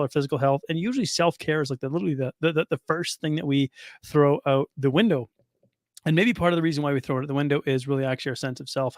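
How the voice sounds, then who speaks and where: Hoarse, fast-talking male podcast coach. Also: on the high side, dry recording, studio quality. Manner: casual, chatty, many fillers and restarts. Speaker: nutrition coach and podcast host. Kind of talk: solo podcast talk.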